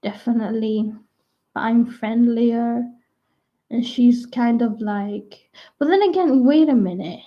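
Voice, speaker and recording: A young adult woman rambling casually to her viewers, full of "like" and restarts, her voice croaky at times. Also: a little high, unhurried. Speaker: vlogger. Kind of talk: rambling casual chat to camera. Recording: dull lo-fi sound.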